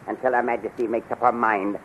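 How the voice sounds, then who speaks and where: An actor playing a gloating villainous general and court magician in a 1930s radio serial, halting, muttering and imperious. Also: male voice, medium pitch, steady tone, fairly bright tone, close to an everyday voice. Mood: menacing. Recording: dull, noisy 1930s radio recording.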